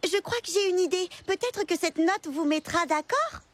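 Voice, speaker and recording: A woman's voice: very high-pitched, lively intonation, moderate pace. A dramatic, boastful girl storyteller. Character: cheerful girl adventurer telling a tall tale. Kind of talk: cartoon dub narration.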